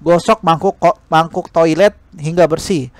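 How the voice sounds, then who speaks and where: Man reading as stern, high-voiced male teacher. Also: measured pace, dry recording, natural voice. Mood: demanding. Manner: curt, commanding. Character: stern, dismissive male teacher, demanding and aloof.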